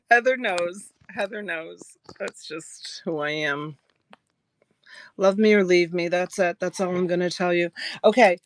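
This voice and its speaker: A woman in her early sixties chatting with viewers while selling jewelry live, laughing often and thanking buyers by name. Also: medium pitch. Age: 60s. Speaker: live-stream jewelry seller. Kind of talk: casual live-selling chat.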